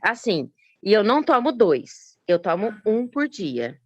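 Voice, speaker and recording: A woman guest chatting casually about her experience, animated and talkative. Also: medium pitch, unhurried, no echo, lo-fi sound. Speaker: guest giving testimonial. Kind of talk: casual chat.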